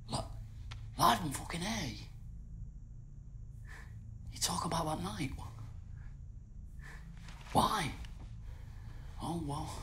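Gravelly, volatile male radio host. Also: medium pitch, slight background noise. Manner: matey, blustering, swearing. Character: brash, volatile male radio co-host, indignant and foul-mouthed. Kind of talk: naturalistic film thriller acting.

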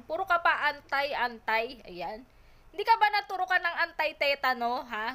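A woman's voice: high-pitched, bright, forceful tone. A Filipino woman vlogger living abroad, scolding and mocking someone in a heated reaction rant, repeating her taunts. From Philippines. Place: home in Taiwan.

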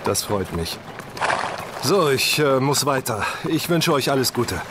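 A man's voice: mid-range voice, animated, a little slow, heavy background noise, lightly acted. A man playing a formal, brusque leader of refugees in an audio drama, clipped and matter-of-fact. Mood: formal, curt.

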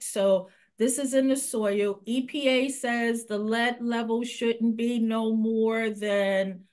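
Slow, earnest woman community organizer. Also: on the high side. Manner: earnest, listing issues deliberately. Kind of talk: interview talk.

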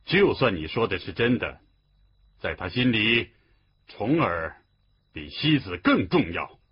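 A man's voice: lowish voice, big pitch swings, slow pace, husky, heavily acted. A cunning old king. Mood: stern. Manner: commanding, with mocking laughs. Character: cunning aging king, imperious and playful. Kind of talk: period TV drama acting. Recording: dull lo-fi TV audio. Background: score music.

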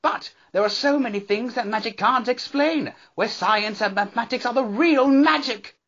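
A performer voicing Doctor Whooves as an excitable, eccentric male cartoon pony scientist, theatrical, wordy and genteel. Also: medium pitch, moderate pace, muffled recording. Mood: earnest, musing. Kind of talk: character voice reel, theatrical cartoon acting.

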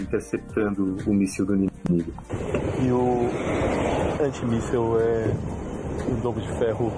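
A middle-aged man from São Paulo, filming himself on a phone and speaking haltingly, with frequent filler pauses. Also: mid-range voice, rough recording. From Brazil, São Paulo. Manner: hesitant, many filler pauses. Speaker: volunteer driver interviewed. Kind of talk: self-recorded video testimony. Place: indoors at home, in a car and by a roadside. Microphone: phone camera at arm's length. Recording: music bed under the voice.

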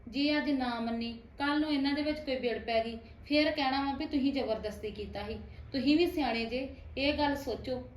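A woman with an Indian Punjabi accent playing a soft-spoken mother of a grown son who explains herself apologetically and persuasively. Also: sits high, a little fast, close to an everyday voice. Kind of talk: village family drama acting. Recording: echoey room.

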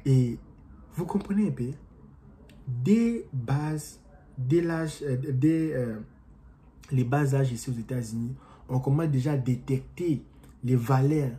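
A young adult man vlogs to camera from a small room at home, giving a casual, animated motivational talk that rambles and restarts as he gestures. His voice is medium in pitch, his pace slow with long pauses, and his accent, by his own account, is a non-native-sounding French one.

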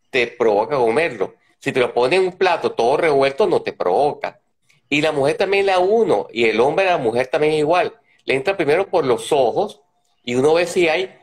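An older man on a live video call, explaining his views on love in a lecturing way. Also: a little high. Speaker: guest. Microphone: phone camera on a video call.

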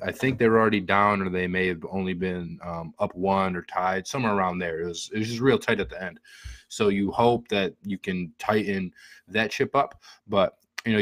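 Speaking low with no echo, a twentysomething American man serves as a show host, offering loose, wandering sports commentary. He's in a small room at home, right up against a desktop microphone, and the tone stays chatty.

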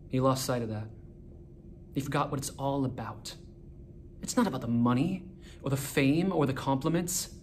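A man's voice: mid-range voice, darkish tone. Searching, reflective male soliloquy, noisy room. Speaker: actor performing a monologue. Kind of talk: dramatic monologue. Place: small indoor room with a wall-mounted TV. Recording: noticeable background room noise.

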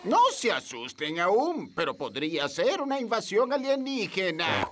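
An actor playing an officious, excitable old elf in a Latin American Spanish children's cartoon dub. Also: male voice, sits high, unhurried, slight background noise, exaggerated voice. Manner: dramatic, shouty, exclamatory. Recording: loud music behind the voice.

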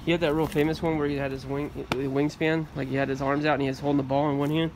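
Man, 40s, casual reseller host, curious and talkative, outdoor phone-camera sound with steady traffic noise. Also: fairly high pitch, racing. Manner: chatty, curious, appraising finds aloud. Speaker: storage locker reseller, channel host. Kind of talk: casual unboxing chat. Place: outdoors on a sunny trailer by storage units.

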